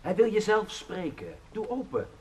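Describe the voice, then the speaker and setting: A man's voice: high voice, lively intonation, normal speed, warm tone. An actor in a radio drama playing a flustered, demanding older father, urgent yet formally polite.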